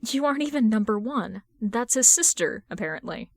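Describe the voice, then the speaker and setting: A woman reading out the messages of excitable online fans in a story, gushing and slangy. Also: a little high, brisk, gravelly, no echo, studio quality. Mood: playful. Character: excitable online fans typing in a stream chat.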